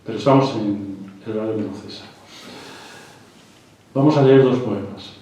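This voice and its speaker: A man's voice: fairly low pitch, measured pace, mellow, a little hiss or hum. Man lecturing in an echoey hall. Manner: hesitant, with repeated words and restarts. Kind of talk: live literary lecture. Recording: echoey hall, mic far off.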